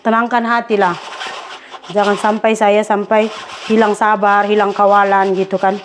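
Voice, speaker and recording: A woman's voice: medium pitch, little pitch movement, moderate pace, a little hiss or hum. A tired young woman, chatting to her viewers in a rambling, storytelling way while doing chores at home. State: tired from a sleepless night. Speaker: vlogger. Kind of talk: casual chat to viewers.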